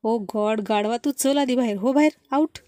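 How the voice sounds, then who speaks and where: A woman voicing a playful, hot-tempered young husband in a storybook reading, scolding and shouting. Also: on the high side, moderate pace, no echo, studio quality, natural voice. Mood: angry.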